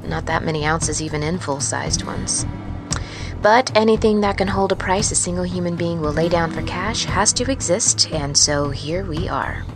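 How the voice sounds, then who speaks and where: A woman playing a wary, haunted truck driver in an intimate, confiding, halting audio-drama monologue. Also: lowish voice, close to an everyday voice. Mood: wry, confiding. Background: music.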